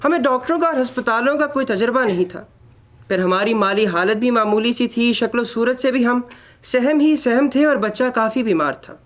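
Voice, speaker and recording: A man narrating a literary short story in an expressive, measured, dramatic reading style. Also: extremely high pitch.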